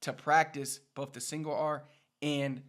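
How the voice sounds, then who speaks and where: A man's voice: on the high side, flat delivery, unhurried, fairly bright tone. A man giving a casual pronunciation lesson as a teacher, demonstrating rolled R trills and syllables between his explanations.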